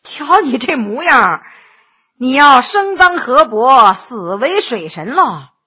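A woman's voice: high-pitched, big pitch swings, takes it slowly, sharp tone, husky, heavily acted. A woman doing a jovial boastful male scholar. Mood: flattering. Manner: teasing, boastful, many interjections. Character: jovial scheming male scholar, middle-aged.

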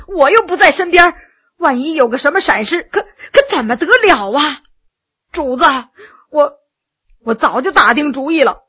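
Give me a woman playing a weepy, devoted manservant in a told story. He stammers through his sobs and pleads in a bright, wavering voice that climbs high when he is overcome. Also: exaggerated voice. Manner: sobbing, stammering, anxious pleading. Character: weepy loyal male servant, devoted and fretful.

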